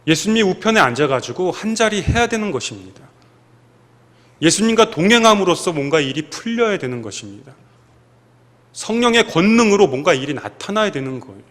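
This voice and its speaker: Man preaching with lively pitch. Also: a little fast. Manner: emphatic, acts out quoted lines. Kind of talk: sermon. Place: church sanctuary. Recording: long church hall reverb.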